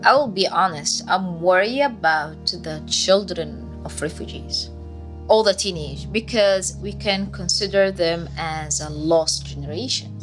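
Brief: woman, 30s, lowish voice, heartfelt and candid, clear guitar music underneath. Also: rough recording. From Sudan. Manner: candid, heartfelt, slightly halting non-native English. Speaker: refugee teacher. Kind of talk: personal testimony. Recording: music playing behind.

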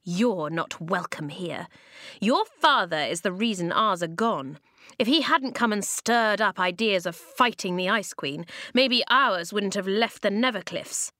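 A woman's voice: medium pitch, animated, measured pace, pushed and bright, no echo, clean studio sound. Woman doing a frosty, bitter girl. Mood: cold. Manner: frosty, clipped, coldly hateful. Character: hostile young girl, cold and bitter.

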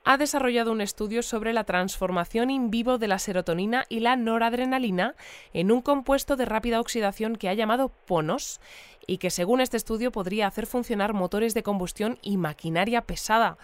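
An actress playing a composed female radio news presenter in an audio drama, speaking in a measured, polite, articulate way. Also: on the high side, smooth, dry recording, lightly acted.

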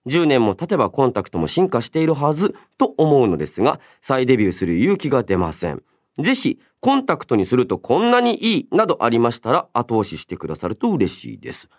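A young man hosts a radio show solo, chatting casually and politely as he thinks aloud and reads and answers listener mail. His mid-range voice swings hugely in pitch and moves fast, recorded in studio quality with no echo.

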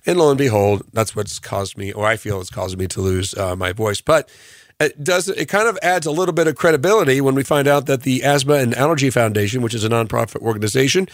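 A man hosting a morning radio show, his voice hoarse from allergies, rambling through tips with lots of ums and uhs. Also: mid-range voice, fast, no echo, clean studio sound. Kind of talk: radio show recap, casual talk. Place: radio studio.

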